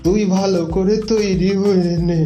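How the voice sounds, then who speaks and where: A man's voice: sits high, steady tone, normal speed, warm tone, faint music behind, lightly acted. A man voicing a middle-aged father fox in a cartoon, anxious and polite, with a coaxing, fatherly manner. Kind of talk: cartoon fairy-tale character dialogue.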